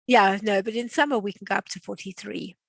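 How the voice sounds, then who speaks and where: A woman from South Africa hosting a casual class chat, asking questions in a halting, inquisitive way. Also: mid-range voice, creaky, dry recording, clean studio sound. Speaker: class host.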